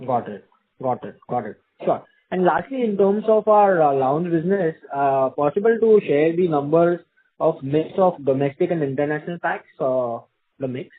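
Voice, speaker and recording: A man's voice: on the high side, animated, moderate pace, husky. A man speaking as a financial analyst, asking wordy questions over the phone on an earnings call. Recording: thin, narrow phone line.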